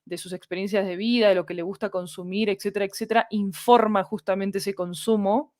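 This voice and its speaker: A woman with a Latin American Spanish accent talks as an interviewed producer. Her voice sits at a medium pitch in a dry recording. She explains in an animated way and keeps checking that she is being followed. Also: a little fast, no echo. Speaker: podcast fiction producer, interviewed guest.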